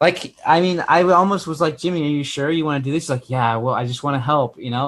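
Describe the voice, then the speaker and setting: The speaker is a man. His pitch moves in an ordinary way. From Utah. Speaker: business coach. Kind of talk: webinar sales pitch. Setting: live webinar. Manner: fast; animated.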